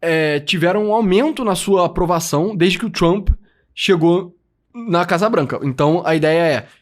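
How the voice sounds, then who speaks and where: A man's voice: high-pitched, normal speed. A man co-hosting a podcast, explaining political news in a loose, joking manner. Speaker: podcast co-host. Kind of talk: casual political chat.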